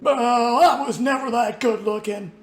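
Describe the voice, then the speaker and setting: Cranky, very high-pitched old man. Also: measured pace. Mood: irritable. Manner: crotchety, suspicious, blurting. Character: cranky old man, the host's future self. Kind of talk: comedy sketch on a parody news show. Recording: echoey room with background noise.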